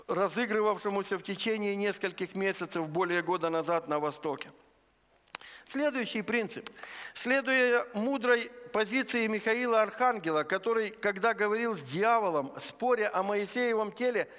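High-voiced preacher in an echoing church. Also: male voice, a bit bright. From Luhansk region, Ukraine. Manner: earnest, deliberate, numbered points. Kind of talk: sermon. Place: church sanctuary. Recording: long church hall reverb.

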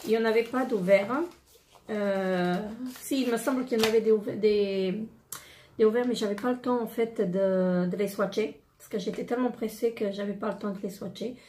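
A woman in her thirties with a slightly hoarse voice, chatting casually through a product haul with many fillers and pauses. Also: medium pitch, fairly even intonation, dark tone, slight background noise. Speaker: beauty vlogger.

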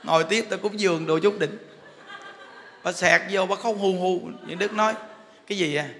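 A man's voice: sits high, steady tone, moderate pace. A man with a Southern Vietnamese accent, a Buddhist monk giving a humorous dharma talk in a chatty, joking storytelling way. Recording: echoey hall with faint noise.

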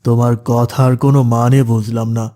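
A man voicing a calm, instructive male religious teacher in a cartoon. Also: mid-range voice, fairly quick, natural voice.

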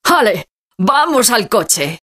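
A woman's voice: on the high side, big pitch swings, takes it slowly, a bit bright, pitched above the performer's own voice, heavily acted. A woman voicing a proud, cheerful old grandfather with a hearty, friendly manner.

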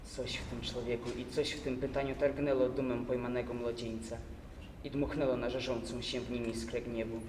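A young man giving a measured, theatrical prose recitation at a contest. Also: mid-range voice, flat delivery, noisy background. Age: young adult. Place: large hall, stage. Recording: echoey hall from far off.

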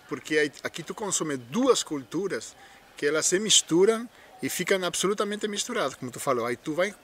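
A man's voice: fairly high pitch, a bit bright. Uruguayan man chatting in an interview. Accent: Uruguayan Spanish. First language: Spanish. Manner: chatty, laughs while telling stories. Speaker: interview guest, musician. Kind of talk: casual interview talk. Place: outdoor backyard. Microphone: handheld microphone.

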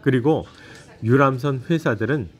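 A man narrating a travel vlog in a calm voice-over with light humor. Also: mid-range voice, normal speed, soft background music.

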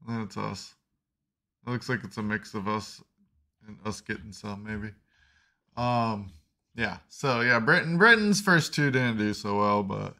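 A man's voice: medium pitch, vocal fry, pushed and bright. A man co-hosting a casual science podcast, reading articles aloud and dropping playful asides. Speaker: podcast co-host.

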